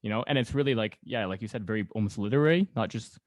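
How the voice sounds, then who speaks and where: A man's voice: lowish voice, quick pace, no echo. A man chatting casually as a podcast host. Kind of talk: casual chat.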